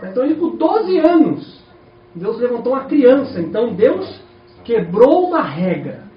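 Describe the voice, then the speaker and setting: A man's voice: very high voice, moderate pace. A Brazilian man preaching a sermon in a church, talking to the congregation and asking them questions all the way through. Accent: Brazilian Portuguese. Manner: animated, rhetorical questions to the congregation. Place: church hall. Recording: echoey, distant, dull church recording.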